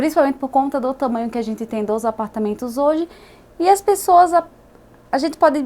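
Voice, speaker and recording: Amid noticeable background noise, a woman with an Alagoas accent talks at a very fast pace and high pitch with ordinary pitch variation. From Alagoas, Brazil. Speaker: architect. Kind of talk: talk show interview.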